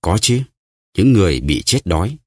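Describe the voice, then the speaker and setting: A man voicing a calm, curt bandit chief in a low, dry voice. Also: moderate pace, dry recording. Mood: cool. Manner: cool, curt.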